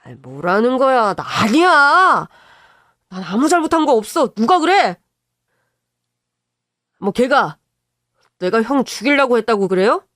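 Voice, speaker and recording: A woman's voice: fairly high pitch, expressive, normal speed, pauses often, no room sound, clean studio sound, close to an everyday voice. A woman voicing a rude, hot-tempered younger brother-in-law who snaps and dodges questions. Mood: evasive. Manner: rude, snapping, defensive.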